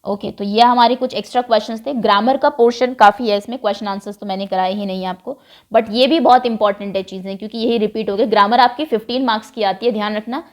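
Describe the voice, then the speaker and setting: A woman's voice: medium pitch, fairly even intonation, fast talker. A woman teaching an English worksheet, switching between Hindi and English phrases and explaining patiently.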